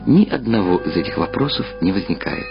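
A man's voice: sits low, sing-song, brisk, creaky, heavily acted. A man playing a stubborn, wistful young male insect in a radio reading, musing in a hesitant, defensive way. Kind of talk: dramatised literary reading for radio. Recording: dull radio recording, music behind.

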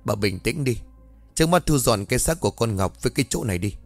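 A man's voice: medium pitch, quick pace, gravelly, faint music behind. A man playing a sly cold old master. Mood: cold calculating. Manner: calm, commanding, pretending concern. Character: sly, coldly calculating older master of the house.

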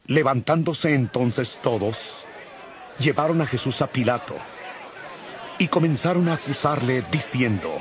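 A man reading scripted Bible narration in a formal, measured, solemn manner. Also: medium pitch, expressive, a crowd in the background, background noise.

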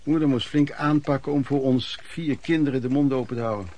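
Actor as an old Dutch street vendor reminiscing, folksy. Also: male voice, mid-range voice, fairly quick, darkish tone, close to an everyday voice. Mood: nostalgic. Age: older. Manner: folksy, wordy storyteller with quaint old-fashioned phrasing. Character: plain-spoken former male street vendor and vagrant reminiscing. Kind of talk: radio play monologue in interview form.

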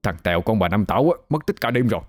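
A man doing a rushed young villager. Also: lowish voice, soft background music, natural voice. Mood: rushed excited. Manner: rushed, excited chatter. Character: young village boy running errands, breathless.

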